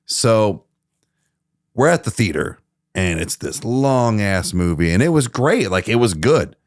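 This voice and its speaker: A man co-hosting a podcast, telling a story in casual chat with animated delivery and crude swearing. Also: lowish voice, measured pace, dry recording, studio quality. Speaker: podcast co-host.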